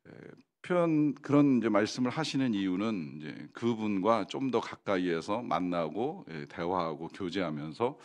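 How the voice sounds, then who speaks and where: A man's voice: on the low side, very animated, normal speed. A man preaching a Sunday sermon in a church, talking conversationally with many fillers and asking the congregation questions. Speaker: pastor. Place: church sanctuary.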